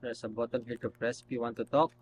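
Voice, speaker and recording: A man hosting a casual unboxing video, talking haltingly as he thinks aloud while handling things. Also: mid-range voice, fairly even intonation, slight background noise. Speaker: video host.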